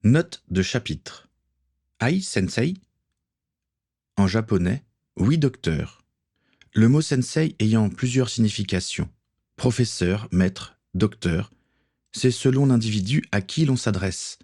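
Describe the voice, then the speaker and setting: A man reading an adventure audiobook in a measured, expressive way. His voice sits on the lower side, but his inflection swings widely through each sentence. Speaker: narrator. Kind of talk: audiobook narration.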